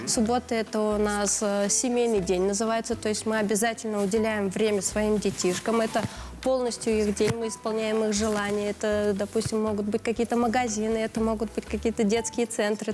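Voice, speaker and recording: A woman's voice: on the high side, flat delivery, brisk, a little mellow. A woman speaking as a guest mother on a children's show, explaining things in casual conversation.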